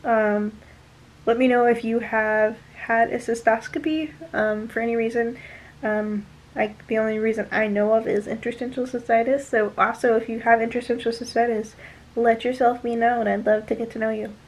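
A woman's voice: on the high side, flat delivery, moderate pace, low-quality recording. A young woman chatting casually in a home vlog, rambling with many fillers and a little out of breath. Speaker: vlogger.

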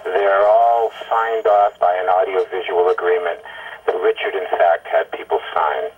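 A man with a lowish, very rough and husky voice leaves an irate voicemail. He sounds exasperated, swears freely and stumbles over repeated words. The sound is narrow and tinny, as over a telephone line. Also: fairly even intonation. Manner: exasperated, profane, halting with stammered repeats. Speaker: caller leaving voicemail messages. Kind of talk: rambling, irate phone voicemail.

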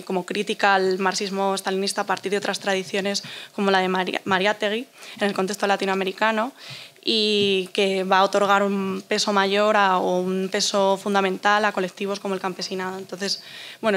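A young woman introducing a speaker as panel moderator in a semi-formal, somewhat halting way. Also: medium pitch, little pitch movement, fairly bright tone. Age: young adult. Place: indoor forum hall, at a table. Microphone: table microphone on stand.

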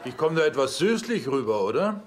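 An actor in a German sitcom dub playing a blunt, gruff older father who is easily exasperated. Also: a little high, very animated, fairly quick. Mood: wry. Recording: noisy TV soundtrack.

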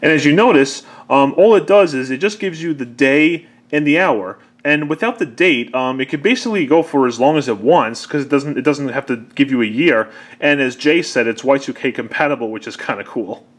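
A man gives a casual, unscripted walkthrough at a middling pitch. He explains each step conversationally, as if showing a gadget to viewers at home. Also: fairly quick, few pauses. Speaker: presenter demonstrating an old answering machine. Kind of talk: casual unscripted product demonstration.

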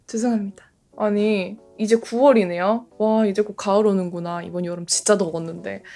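A woman in her late twenties chatting casually in a skincare vlog, gushing about products as she applies them. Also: medium pitch. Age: late 20s. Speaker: beauty creator. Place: bedroom in front of a door.

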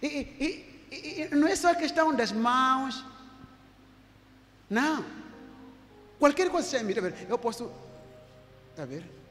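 A male apostle preaching and demonstrating healing before a congregation, talking emphatically and repeating himself, sometimes rising to shouts. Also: very high-pitched, animated, normal speed, pauses often, soft background music. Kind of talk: sermon with live healing demonstration. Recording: echoey hall with faint noise.

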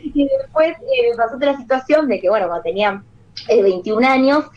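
A woman's voice: fairly high pitch, brisk, muffled recording. A woman with an Argentine Rioplatense accent, a children's singer, telling stories in a casual interview and acting out the voices of the people in them. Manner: animated, acts out the voices of people in her stories.

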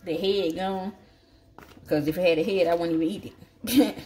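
Her voice is lowish and mellow, moving at a moderate pace, with a Southern African American English accent from the southern US. She thinks aloud while cooking at the counter of her home kitchen, folksy and salty, in a casual cooking vlog chat. Expect clicks and noise from the home recording.

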